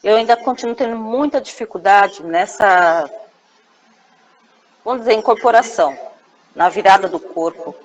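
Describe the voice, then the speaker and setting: A woman's voice: mid-range voice, moderate pace, pauses often. A woman student with a Brazilian Portuguese accent asking a hesitant question in class. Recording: far from mic, dull lo-fi.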